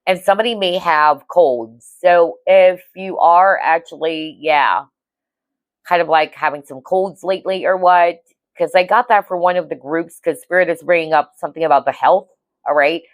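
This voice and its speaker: A woman's voice: on the low side, moderate pace, no room sound. A woman giving a casual tarot reading to viewers, chatty and reassuring, often checking in with "okay?". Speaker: tarot reader.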